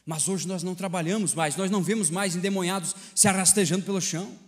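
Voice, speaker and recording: A man with a Brazilian Portuguese accent preaching a sermon in a church, swinging between shouted climaxes and low, hushed passages in a repetitive preaching cadence. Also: fairly even intonation, fast talker, in a large hall. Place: church sanctuary.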